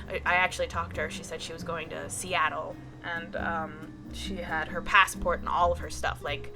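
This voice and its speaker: A woman's voice: on the low side, moderate pace, gravelly. A woman vlogger telling a storytime about her day, with lots of "like" and small restarts, acting out what other people said. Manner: animated retelling, heavy use of "like", mimics others. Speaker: artist vlogger. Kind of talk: storytime vlog. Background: background music.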